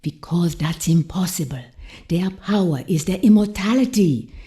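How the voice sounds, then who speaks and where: An actress voicing a commanding, seductive voodoo priestess in a video game, a mysterious mentor with a portentous, folksy way of talking. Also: female voice, fairly low pitch, moderate pace, warm tone, natural voice. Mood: ominous warning. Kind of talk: dramatic game cutscene acting.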